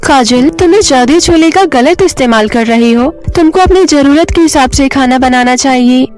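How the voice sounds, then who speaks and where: A woman voicing a sensible, caring young elder sister with an earnest, gently scolding manner in a children's cartoon story. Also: high-pitched, moderate pace, soft background music, voice pushed up, close to an everyday voice.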